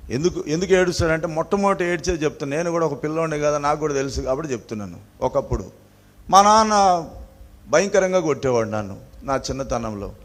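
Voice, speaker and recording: A male preacher with a Telangana Telugu accent delivers a sermon in a voice pitched a little high. He swings from forceful, emphatic lines down to quiet, low asides. He keeps putting questions to his listeners. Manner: asks the congregation questions. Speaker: pastor.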